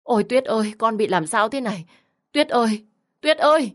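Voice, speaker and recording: A woman's voice: fairly high pitch, lively intonation, moderate pace, voice pushed up, lightly acted. A woman voicing a panicked middle-aged mother who cries out in a trembling voice. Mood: frantic. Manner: trembling, crying out.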